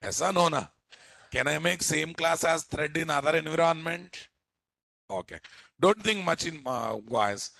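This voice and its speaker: Telugu-accented man teaching, creaky voice. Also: mid-range voice, a bit bright, no room sound. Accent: Telugu Indian. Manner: asks frequent rhetorical check questions. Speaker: programming teacher. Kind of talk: informal technical lecture.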